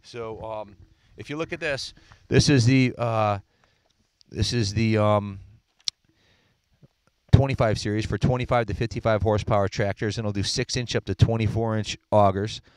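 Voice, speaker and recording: Middle-aged guy outside, low smooth voice, handheld mic, lots of uh and um. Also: fairly even intonation, normal speed, long pauses, a little mellow, no echo. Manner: rambling, many fillers and restarts. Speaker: seller presenting equipment. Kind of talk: casual walkaround sales pitch. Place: outdoors on a lawn.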